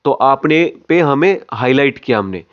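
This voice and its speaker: A man's voice: medium pitch, animated, moderate pace, muffled recording. A man coaching acting, explaining phrase by phrase and repeating words for emphasis. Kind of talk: explanatory lesson on voice modulation.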